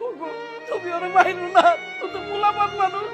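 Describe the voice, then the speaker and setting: A woman acting a poor father who gently coaxes his son. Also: extremely high pitch, fairly even intonation, a little fast. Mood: worried pleading. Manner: patient, repetitive coaxing. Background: background music.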